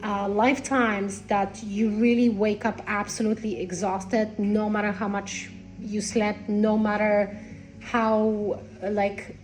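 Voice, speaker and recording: A woman with a congested, nasal voice giving unscripted spiritual talk to followers in a halting, rambling way. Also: medium pitch, little pitch movement, a little mellow, faint music behind, poor audio. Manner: halting, rambling, repeats phrases. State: congested with a cold. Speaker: spiritual content creator.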